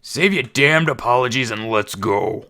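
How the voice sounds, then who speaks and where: A woman's voice: a bass voice, takes it slowly, a bit bright, pitched below the performer's own voice, full character voice. Woman doing a growling orc warrior. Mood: gruff, irritated. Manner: barking, growling, coarse. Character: towering gruff male orc warrior leader.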